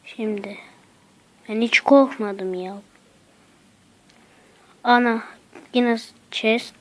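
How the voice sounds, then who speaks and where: Slow-talking, high-voiced woman gamer. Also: steady tone. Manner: exclaiming, muttering, slangy. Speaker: gaming channel host. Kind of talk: let's play commentary.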